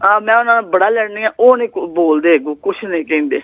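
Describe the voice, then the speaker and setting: A woman's voice: mid-range voice, crowd noise. An older woman with a Punjabi accent, phoning in to a call-in show and telling her story in a plain, rambling way. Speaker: caller. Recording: tinny phone line.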